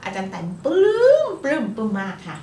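A woman's voice: a little high, wildly swooping pitch, fairly quick, warm tone, distant mic, slight background noise. A woman co-hosting as an astrologer, talking in a chatty, upbeat way and laughing easily. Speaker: astrologer co-host. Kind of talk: casual chat. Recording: echoey room, voice from off-mic.

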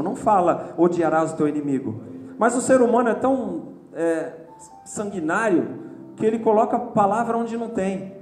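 A male preacher delivers a lively sermon, his voice sitting high for a man. He acts out the voices of churchgoers as he speaks. The church is roomy and echoing, with soft music underneath.

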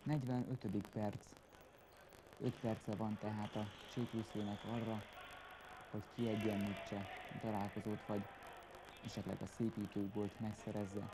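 A man with a low voice commentates live on an indoor football match. He calls the play in short, clipped phrases and rises to excitement at shots. Loud hall noise runs heavily behind him. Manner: terse, names players as they get the ball. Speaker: sports commentator. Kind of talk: live Hungarian-league futsal match commentary. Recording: very noisy sports hall recording. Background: loud indoor sports hall ambience.

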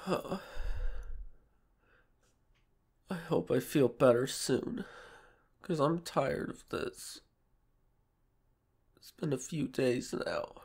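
A man voicing a shy, submissive, sick young boyfriend in an ASMR audio roleplay, congested and soft, with hesitant, pleading delivery. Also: medium pitch, slow, creaky, long pauses, husky, exaggerated voice. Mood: shy, achy, then weary, pleading. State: sick, sore throat, stuffy nose.

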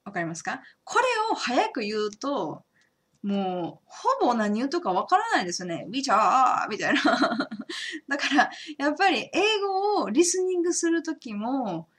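Lively Kansai-accented woman teacher. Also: sits high, moderate pace. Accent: Kansai Japanese. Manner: chatty and encouraging, laughs often. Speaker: English teacher. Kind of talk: casual spoken lesson.

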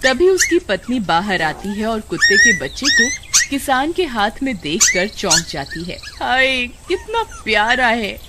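A woman giving scripted storybook narration in an expressive storytelling manner, over loud background noise. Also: on the high side, normal speed.

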